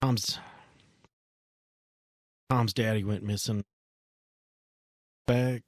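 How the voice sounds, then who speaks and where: A man voicing a wary young woman witch who talks in rough backwoods grammar, low and hushed. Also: steady tone, drawn-out words, no echo. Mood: bitter.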